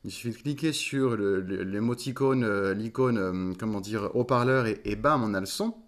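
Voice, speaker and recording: A man's voice: lowish voice, normal speed. French-speaking man, voice coach, thinking aloud. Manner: thoughtful, searching for words with many fillers. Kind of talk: interview conversation.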